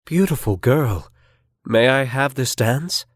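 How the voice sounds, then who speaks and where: A man voicing a gentle, polite young prince in a children's story. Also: medium pitch, lively intonation, slow pace, dry recording, clean studio sound.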